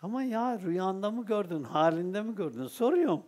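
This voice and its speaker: Turkish man leading a Sufi talk, high voice that rises and falls a lot, storytelling delivery. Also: a little fast. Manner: lively storytelling with rhetorical questions. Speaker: Sufi teacher. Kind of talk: religious talk.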